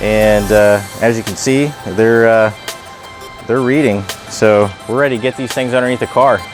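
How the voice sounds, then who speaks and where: A man who builds race cars walks through a product tutorial informally and without a script, talking like a hands-on shop worker. His voice is fairly low and steady at a moderate pace, with faint music behind him.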